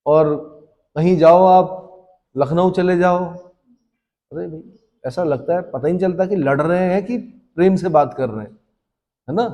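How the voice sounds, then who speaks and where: A man's voice: sits high, moderate pace, long pauses, dark tone, long reverb tail, dull audio. A man teaching history, who asks his class questions and then answers them himself. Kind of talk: classroom lecture.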